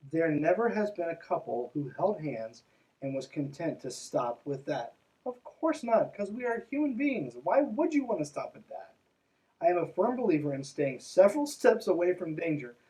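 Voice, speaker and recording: A man's voice: a little high, darkish tone, far from the mic, low-quality recording. A man hosting a podcast, reading aloud and breaking in with mocking, irreverent, conversational asides. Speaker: podcast host.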